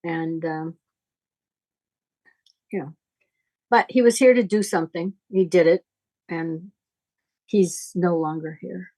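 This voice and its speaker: Middle-aged woman, lowish voice, very unhurried and deliberate, informal spiritual teacher. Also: mellow. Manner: halting, deliberate, reflective explaining. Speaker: astrology teacher.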